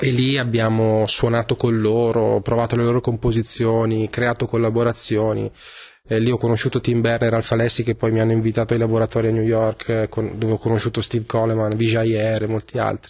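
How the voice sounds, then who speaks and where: A man talks at a fairly quick pace with medium pitch. His intonation is monotone and flat, and his loudness stays very even. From Italy. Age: 30s. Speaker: jazz drummer. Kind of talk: interview. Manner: halting with fillers.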